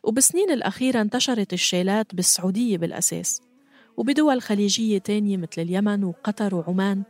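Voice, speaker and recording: Female podcast host, steady mid-pitched scripted narration, dry close sound, a faint music bed behind. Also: fast, dry recording. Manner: calm, explanatory storytelling.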